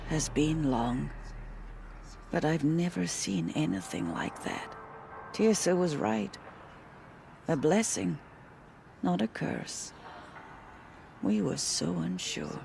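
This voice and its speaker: An aged, devout tribal elder in a game drama. The voice is creaky and unhurried, solemn and protective. Clear ambient noise sits behind it. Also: female voice, sits low, sing-song, a little mellow, heavily acted. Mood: awed, solemn. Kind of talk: game cinematic acting.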